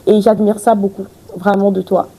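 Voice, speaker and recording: A chatty woman hosts a podcast in a warm, mellow voice. She talks in loose, gushing runs full of fillers and restarts. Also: medium pitch, flat delivery, moderate pace, a little hiss or hum. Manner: chatty, effusive, many fillers. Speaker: podcast host. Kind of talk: casual interview chat.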